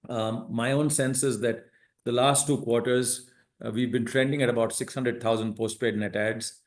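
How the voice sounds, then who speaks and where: A man's voice: mid-range voice, fairly even intonation. A man speaking as a company executive, giving methodical, explanatory answers on an earnings call. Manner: measured, methodical, enumerating points.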